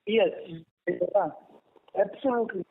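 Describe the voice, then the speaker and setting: A man's voice: high-pitched, unhurried, creaky, breathy edge. A man with an Indian accent answering questions as a company executive on an earnings call, speaking emphatically and repeating himself for stress. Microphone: telephone. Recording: muffled narrowband phone conference line.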